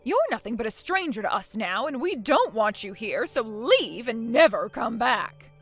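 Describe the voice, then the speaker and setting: A woman voicing a bossy middle-aged mother-in-law who scolds and makes demands loudly, with faint music behind. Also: on the high side, very animated, normal speed. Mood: angry. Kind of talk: dramatized story acting.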